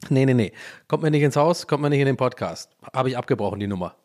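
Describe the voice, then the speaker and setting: A man's voice: mid-range voice, lively intonation, fast, darkish tone. Male solo podcaster, chatty and self-mocking, wandering off-topic, home mic. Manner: rambling, joking, self-mocking, loses his thread. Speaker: podcast host. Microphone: home podcast mic recorded in Audacity.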